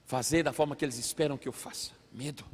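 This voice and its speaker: A man preaching a sermon as a pastor, telling a family story with animated acted-out voices. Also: medium pitch, fast talker, breathy edge. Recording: long hall reverb.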